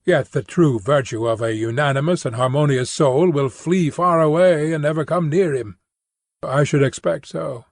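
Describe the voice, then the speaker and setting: A man reading a philosophical dialogue as an audiobook, in a measured, formal and expressive way. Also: on the high side, no room sound, studio quality. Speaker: audiobook reader. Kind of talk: scripted narration of a philosophical dialogue.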